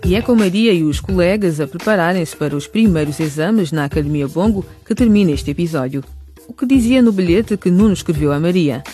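A man's voice: high voice, lively intonation, a little fast. A man reading scripted narration for a radio series as its narrator. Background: music.

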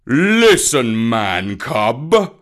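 A man voicing a big old brown bear, a stern but tender teacher with a weighty, emphatic, old-fashioned way of speaking in a storybook. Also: huge pitch swings. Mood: angry, stern. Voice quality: rumbling, weighty. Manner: slow, emphatic, archaic storybook speech.

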